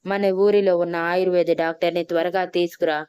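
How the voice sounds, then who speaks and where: A woman reads a rich young man in a storybook, curt and dismissive. The voice is low-pitched and very clear. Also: little pitch movement, brisk, a little mellow, dry recording, highs cut off, natural voice. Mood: irritated. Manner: irritated, dismissive.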